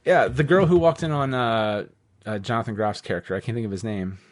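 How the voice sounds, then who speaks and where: A man's voice: on the low side, brisk, no echo. A man hosting a podcast, chatting casually in a rambling way, full of "like" and the odd swear word. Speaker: podcast host.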